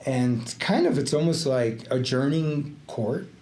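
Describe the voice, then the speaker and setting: An older man, a retired judge who grew up in the Panama Canal Zone with Greek as his first language, talking in a reflective, halting way with many fillers and quick laughs. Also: mid-range voice, animated, darkish tone. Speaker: retired judge, podcast guest. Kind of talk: casual interview chat. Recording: echoey room, faint background noise.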